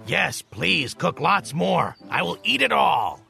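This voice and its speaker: A man playing a lazy, gluttonous pig in a children's story, dozy and food-obsessed, with a gravelly voice. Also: on the high side, sing-song, takes it slowly, sharp tone, faint music behind, exaggerated voice. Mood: dreamy, greedy. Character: lazy, gluttonous male pig companion, sleepy and greedy.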